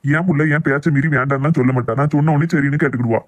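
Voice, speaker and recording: Casting: man as assertive Tirunelveli village dad for cartoon drama, middle-aged, stubborn, very quick, slightly high voice. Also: steady tone, close to an everyday voice. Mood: confident, reassuring. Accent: Tirunelveli Tamil. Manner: assertive, dismissive of objections. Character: stubborn middle-aged village father, protective of his family. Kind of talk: amateur cartoon family drama.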